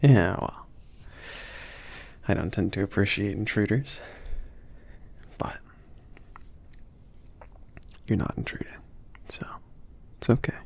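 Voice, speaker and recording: A man playing a laid-back, gently teasing mage who runs a potion shop, speaking softly and hesitantly in an intimate ASMR roleplay, with a creaky, sometimes breathy voice. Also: fairly low pitch, takes it slowly, long pauses, full character voice. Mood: calm. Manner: hesitant, murmured, reassuring, chuckling. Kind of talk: ASMR roleplay, intimate one-sided conversation.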